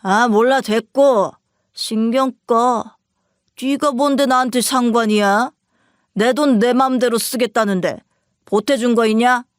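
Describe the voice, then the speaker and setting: A woman's voice: fairly high pitch, steady tone, a little slow, no echo, clean studio sound, natural voice. A woman voicing a curt, arrogant husband. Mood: cold contempt. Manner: curt and contemptuous. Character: arrogant, drunken, dismissive husband.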